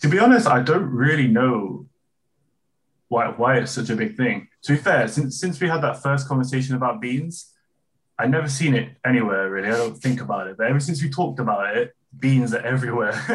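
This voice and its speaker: A man speaks in a West Country accent at a medium pitch and a fairly quick pace. His voice is somewhat breathy, with ordinary pitch variation. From West of England. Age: 20s. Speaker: podcast listener. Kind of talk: casual interview. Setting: video call.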